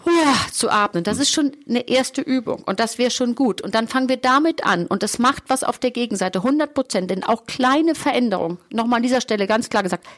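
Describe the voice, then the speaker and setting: A woman's voice: a little high, animated, a little fast, hardly any pauses. Middle-aged woman, sex therapist, frank, explanatory, podcast chat. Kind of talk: podcast conversation.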